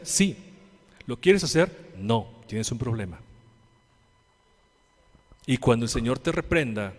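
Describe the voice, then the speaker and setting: Mexican male pastor, mid-range voice, preaches with questions, loud then hushed, long church reverb. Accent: Mexican Spanish. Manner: preaching with rhetorical questions and call-and-response; swings between loud emphatic lines and quiet low ones. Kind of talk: sermon.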